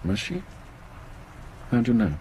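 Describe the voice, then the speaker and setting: An actor playing an exasperated, dismissive husband in a radio horror play, irritable and sardonic. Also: male voice, medium pitch, big pitch swings, normal speed, dark tone, lightly acted. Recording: noisy 1980s radio drama recording.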